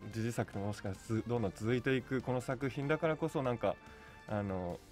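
Brief: young male actor, mid-pitched, fast casual talk as a radio guest, faint music underneath. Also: darkish tone. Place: radio studio at a table. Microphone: studio microphone.

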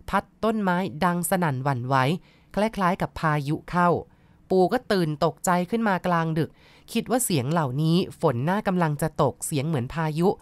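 A woman from northeast Thailand narrating a ghost story in a calm, polite, unhurried way. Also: lowish voice, no room sound.

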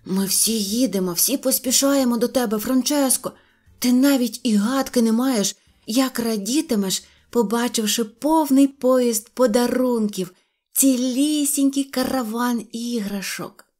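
A woman voicing an eager, devoted little male toy dog, speaking in a slightly raised, excited voice in a storybook reading. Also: fairly high pitch, fairly quick, hardly any pauses, faint music behind, voice pushed up, lightly acted.

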